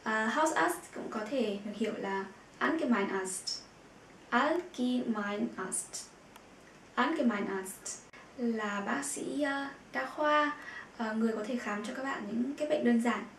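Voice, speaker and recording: A woman teaching a language vocabulary lesson. She repeats each word slowly and clearly and often pauses on filler sounds. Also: a little high, a bit bright, distant mic. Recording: echoey room with faint background noise.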